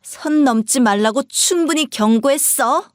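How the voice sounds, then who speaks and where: A belligerent, drunken husband barks commands and dismisses his wife, played by a woman storyteller. The voice stays fairly high for a man, recorded close and dry. He sounds slurred and bullying throughout. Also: measured pace, no room sound.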